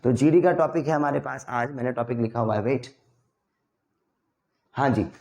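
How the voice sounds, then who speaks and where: A young man teaching spoken English in a classroom, firing off practice sentences at a quick clip for the students to translate. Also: mid-range voice, vocal fry, darkish tone. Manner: brisk, rapid-fire drilling sentences. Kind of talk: classroom drill lesson. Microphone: recorded in a classroom.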